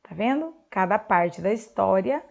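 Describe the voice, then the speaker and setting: A woman teaching a recorded lesson to young children in Brazilian Portuguese, speaking clearly and drawing out words for them. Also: mid-range voice, expressive, unhurried, lo-fi sound. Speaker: primary school teacher.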